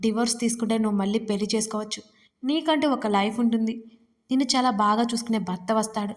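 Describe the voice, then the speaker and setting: An angry, stubborn young husband who scolds in short, impatient bursts, read by a woman narrator. The audio story keeps him close to her own higher voice. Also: quick pace, big-room sound, natural voice.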